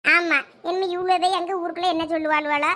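A woman's voice: extremely high pitch, fairly even intonation, fast talker, bright, forceful tone. A woman with a Thoothukudi Tamil accent acting out gossipy, scolding village women in a comedy sketch.

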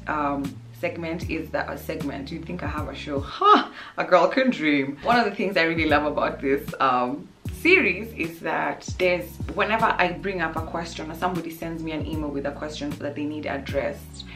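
A young woman with a low-pitched, slightly hoarse voice, talking to camera in a small room. She chats candidly and restarts her sentences often, as an advice host would. Faint music plays underneath. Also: a bit bright. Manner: chatty and candid, with frequent restarts and fillers. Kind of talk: casual advice vlog. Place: small room with a painting and plants.

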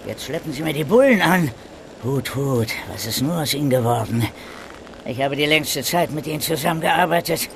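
An actor playing a sly, greedy police informant in a crime radio play, mocking, cocky and always haggling. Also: male voice, a little high, expressive, normal speed, fairly bright tone, slight background noise. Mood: mocking, irritated.

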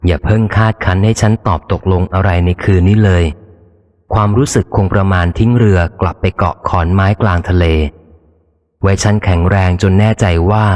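A low-voiced man reads a first-person memoir aloud, keeping his delivery calm and measured. His voice rings out with a long reverberant tail, as if recorded in an echoing room. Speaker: audiobook reader.

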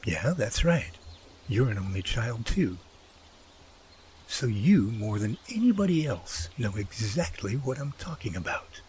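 A man's voice: mid-range voice, sing-song, a little slow, darkish tone, slight background noise. A man playing an earnest, protective brotherly figure in a radio drama, pleading in a folksy way. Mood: tender, heartfelt.

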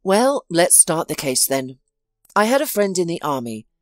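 A woman voicing a steady, helpful male friend, speaking calmly and reassuringly in a storybook reading. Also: on the low side, normal speed, no room sound, clean studio sound, faint music behind. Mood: matter-of-fact.

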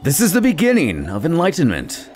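A smug fallen angel villain from a story recap, acted out by a male narrator, taunts theatrically. The pitch swoops around in mockery, with light music behind. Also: wildly swooping pitch, brisk, darkish tone. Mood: mock delight.

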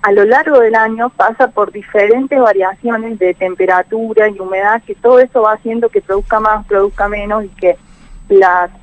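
A woman's voice: mid-range voice, fairly even intonation, moderate pace. Hesitant woman on a phone line. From Argentina. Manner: hesitant, many fillers and restarts. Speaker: agronomist guest.

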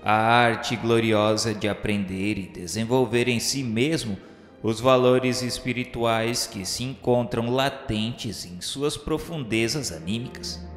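Solemn Brazilian male narrator in deep reverb. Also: slow pace. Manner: solemn, formal literary delivery. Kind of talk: scripted audio drama narration of a spiritist novel. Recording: roomy long reverb, music underneath. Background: music.

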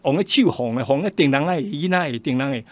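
A man's voice: fairly high pitch, quick pace. An older man with a Taiwanese Mandarin accent, a radio interview guest telling a personal story and acting out the quoted dialogue in changing voices. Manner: animated, acts out quoted dialogue with shifting voices.

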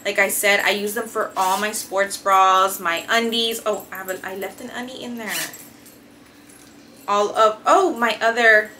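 A young woman, a fitness and beauty vlogger, reviews gym clothes to camera in a small decorated bedroom, chatty and enthusiastic with plenty of filler words. Her medium-pitched voice is steady, bright and forceful, a little slow. There's slight background noise.

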